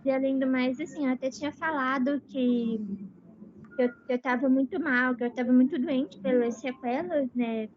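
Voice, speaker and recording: A woman in her thirties, a podcast guest, speaking in a measured way in casual chat. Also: sits high, fairly even intonation, darkish tone, a little hiss or hum. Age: 30s. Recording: dull lo-fi sound.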